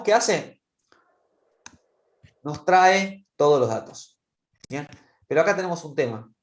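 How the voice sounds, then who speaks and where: A male teacher walking students through a spreadsheet exercise in an online class, patiently checking in with them as he goes. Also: a little high. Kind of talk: online class screen-share demonstration. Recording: roomy echo.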